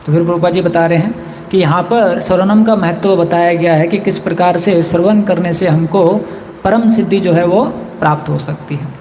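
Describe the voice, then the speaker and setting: A man with a high, light voice gives a scripture class in a temple, explaining verses steadily and chanting lines now and then. His voice rings with the long reverb of a large hall, over a faint room hum. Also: fairly even intonation, normal speed, a little mellow. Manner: explains verses, chants Sanskrit, reads English quotes. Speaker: temple speaker.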